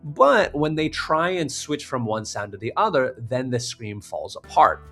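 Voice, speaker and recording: A man's voice: medium pitch, very animated, a little slow, sharp tone, faint music behind. A man giving an instructional tutorial as a vocal coach, explaining emphatically step by step.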